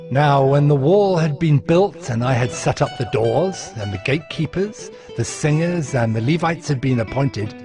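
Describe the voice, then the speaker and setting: Man playing steadfast ancient governor, medium pitch, devout, measured scripture narration, musical backing. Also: lively intonation, close to an everyday voice. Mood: solemn, resolute. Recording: music behind the voice.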